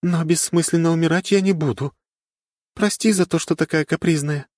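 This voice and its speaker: A man voicing a beautiful young woman who speaks in soft, sighing tones, gentle but wilful. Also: on the high side, normal speed, dry recording, clean studio sound, pitched above the performer's own voice, close to an everyday voice.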